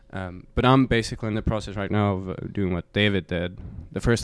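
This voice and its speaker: With a Swedish accent, a man talks at a fairly quick pace and a fairly low pitch. His intonation is fairly even, and the recording is very clean with a silent background. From Sweden, Gothenburg. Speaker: drummer. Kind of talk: interview.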